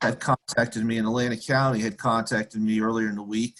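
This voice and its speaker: The speaker is a man with a medium pitch. He talks at a fairly quick pace. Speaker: watershed restoration planner. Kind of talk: webinar presentation and Q&A. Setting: video call. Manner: fast.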